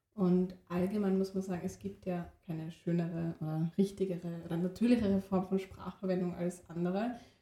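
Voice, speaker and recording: At a moderate pace, a woman speaks in a somewhat breathy, dark, mellow voice of medium pitch with fairly even intonation. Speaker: podcast co-host. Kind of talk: casual discussion.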